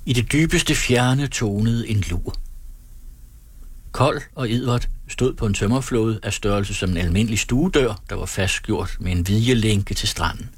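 A man reading aloud from an old novel in a measured, unhurried way, with a husky voice. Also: lowish voice, no room sound.

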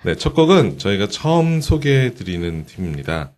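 A man hosting a casual talk show with a stuffy nose, chatty and quick to laugh. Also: lowish voice, sing-song, darkish tone. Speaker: radio show host. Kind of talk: casual studio chat.

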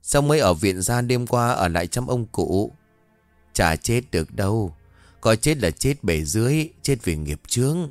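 A man's voice: on the low side, very animated, normal speed, no room sound, soft background music. A man voicing a ragged old beggar who speaks in curt, ominous riddles in a ghost story.

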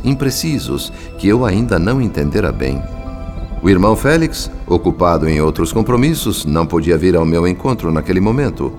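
Um ator brasileiro interpretando um espírito narrador de radionovela, observador, solene e literário. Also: male voice, lowish voice. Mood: pensive. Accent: Brazilian. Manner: measured, literary, solemn. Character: grave, thoughtful male spirit narrator observing human families. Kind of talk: scripted radio drama narration.

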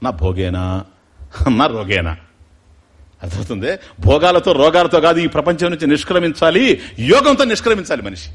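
A man giving a spiritual discourse, mixing explanation with slow, musical chanting of verses. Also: a little high, breathy edge. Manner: animated, chants Sanskrit verses slowly and musically. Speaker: spiritual lecturer. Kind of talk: devotional discourse.

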